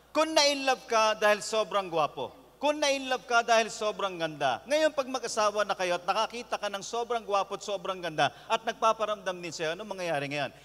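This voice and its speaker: A man with a Filipino accent preaching a lively sermon as a pastor, talking straight to the crowd. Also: sits high. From Philippines. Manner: animated, talks straight to the crowd. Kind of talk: sermon at a youth conference. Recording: long hall reverb from a live event.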